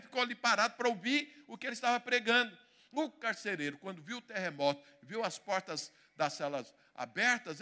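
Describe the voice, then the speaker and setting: Male pastor, high, very bright voice; storytelling sermon that drops low then bursts out loud. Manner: storytelling, voices quoted figures, swings from quiet to loud.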